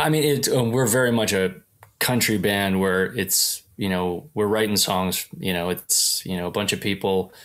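On a very clean recording with a silent background, a man with a plain, everyday voice talks at a moderate pace and fairly low pitch, with ordinary pitch variation. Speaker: country musician. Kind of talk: casual interview.

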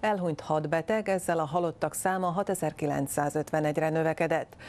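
Her voice very deep and low for a woman, she speaks at a very slow pace with fairly even intonation. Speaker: news anchor. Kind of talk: news reading. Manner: formal. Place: studio. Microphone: lapel.

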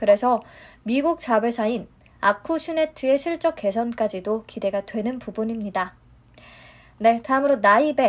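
A woman with a fairly high pitch speaks calmly at a moderate pace, with ordinary pitch variation and long, frequent pauses. The recording is very clean, with a silent background. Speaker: stock market YouTuber. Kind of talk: daily market wrap-up commentary. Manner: calm, soft, casual-formal.

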